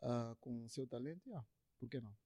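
Halting man in a close, dry interview. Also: medium pitch, dark tone, no echo. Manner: halting, repeats phrases, mixes English slang into speech. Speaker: musician, interview guest. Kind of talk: casual interview conversation.

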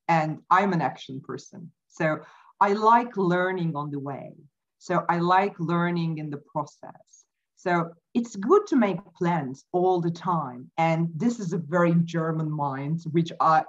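A woman whose first language is not English, speaking as an interview guest, thoughtful and halting with many fillers. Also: lowish voice, lo-fi sound. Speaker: podcast guest. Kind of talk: casual interview talk. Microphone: remote call mic.

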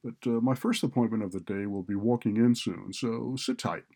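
A man's voice: mid-range voice, moderate pace, vocal fry, dark tone. A man voicing a cynical, bullying college administrator who talks in a blunt, sardonic, browbeating way. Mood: cynical, breezy.

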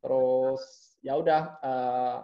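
A man's voice: medium pitch, steady tone, slow, dull audio. A man in casual interview chat, who talks with animation and sometimes mimics blunt, direct speech. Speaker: interview guest.

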